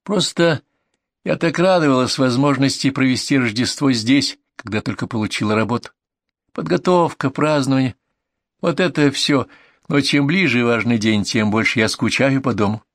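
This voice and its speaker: A man voicing a warm, open young woman from a farm, lifting his voice for her. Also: normal speed, no room sound, clean studio sound, lightly acted. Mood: cheerful. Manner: higher, lighter voice for a young woman.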